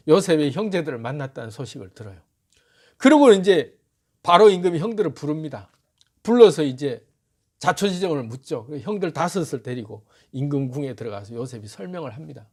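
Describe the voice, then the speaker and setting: A man's voice: fairly high pitch, a little fast. A man retelling a Bible story dramatically, with lots of emotion, and acting out the characters' lines. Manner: animated, dramatic, acts out dialogue.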